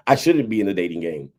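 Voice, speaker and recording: A man's voice: low-pitched, darkish tone. A man in his fifties giving casual, emphatic commentary on dating and relationships, often tagging his points with "right?" and "okay". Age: 50s.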